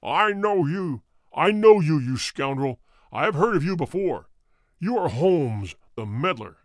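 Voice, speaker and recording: A man's voice: on the high side, big pitch swings, a little slow, no room sound, clean studio sound. A man voicing a huge, fierce old country doctor who snarls threats furiously.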